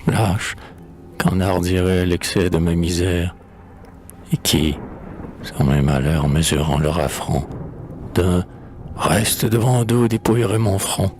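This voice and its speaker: A man's voice: low voice, slow pace, pauses often, darkish tone, soft background music. A man reading a dramatic poem, voicing a proud, despairing old king in a grave, declamatory recitation. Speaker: poetry reader.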